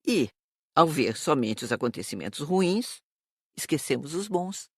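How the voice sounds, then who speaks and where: A woman playing a calm, serious spirit teacher in an audiobook, speaking in a measured, didactic way. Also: low voice, gravelly, husky, dry recording, clean studio sound, full character voice. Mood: patient. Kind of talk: audiobook dialogue.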